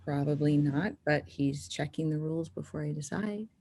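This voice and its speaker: A woman playing an earnest teenage trans girl who teaches snowboarding, in a screenplay table read, with a husky, creaky voice. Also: low voice, moderate pace, warm tone, a little hiss or hum. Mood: earnest, guarded.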